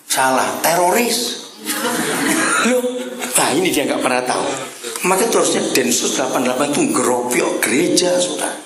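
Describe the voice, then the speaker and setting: A man preaching a lively sermon to a congregation with a slight tinge. He swings from soft asides to loud shouted lines and teases the crowd. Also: mid-range voice. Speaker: pastor. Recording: roomy church hall with congregation.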